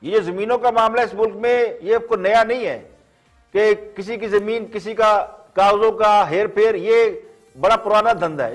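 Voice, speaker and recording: Pakistani guy reading his editorial, measured and ironic, highish voice, faint music under it. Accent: Pakistani Urdu. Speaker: news show host. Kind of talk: scripted commentary to camera.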